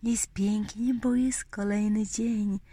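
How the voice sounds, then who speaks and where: A woman telling a bedtime story to small children in a whispery, breathy voice, gently repeating phrases and asking them questions. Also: medium pitch, steady tone, no room sound. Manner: slow, gentle, addressing little children with repetitions and questions.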